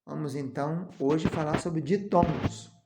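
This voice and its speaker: A Brazilian man teaching a seminary lesson on Greek. He explains slowly, often adds "né?", and chants the letter names. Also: on the high side, echoey room, loud music behind the voice. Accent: Brazilian Portuguese.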